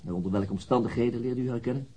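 A male actor as a radio-play police investigator with a very husky, quick-spoken delivery. He is formal and persistent, putting probing questions with small hesitations. The tone stays soft and dark. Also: mid-range voice, natural voice. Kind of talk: radio drama acting.

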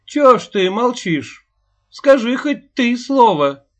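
A woman's voice: lowish voice, expressive, slow, pitched above the performer's own voice. A man voicing a distraught peasant mother who is sick and bitter, pleading and wailing. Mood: shouting. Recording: dull lo-fi recording.

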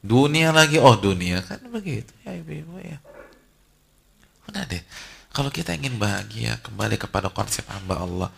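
A man preaching to a room of women. His voice is gravelly and a little husky, and he swings up and down in pitch as he talks. He keeps the sermon chatty and animated. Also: moderate pace. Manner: animated, conversational, acts out short quoted voices. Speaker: Islamic preacher.

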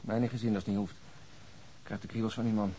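An actor playing a brooding, analytical investigator in a radio drama, reasoning in a husky voice. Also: male voice, lowish voice, level tone, a little fast, dark tone, natural voice, rough recording. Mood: uneasy. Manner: reasoning step by step.

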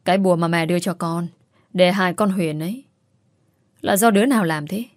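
A woman's voice: on the low side, a little fast, dry recording, studio quality, natural voice. A woman voicing a scheming young wife who fakes madness, speaking coldly and calculatingly. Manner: cold, calculating.

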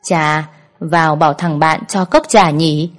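A woman doing a protective older brother, brisk, scolding, somewhat low voice, quiet music behind.

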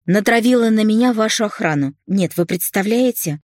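A woman's voice: mid-range voice, animated, normal speed, darkish tone, no room sound, clean studio sound, voice pushed up, natural voice. A woman reading an audiobook, voicing an indignant sixty-year-old nanny who exclaims in exasperation. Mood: exasperated. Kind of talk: audiobook narration.

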